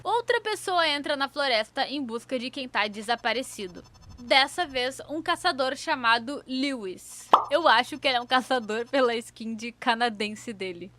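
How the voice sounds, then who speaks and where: A woman's voice: high-pitched, fairly bright tone. A young woman with a Brazilian accent recapping a story in casual commentary, with informal, opinionated asides. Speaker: YouTube commentator.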